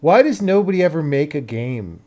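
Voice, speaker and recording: A man's voice: a little high, very animated, normal speed, mellow. A man who hosts a game development livestream, chatting casually in a dry, grumbling, offhand way.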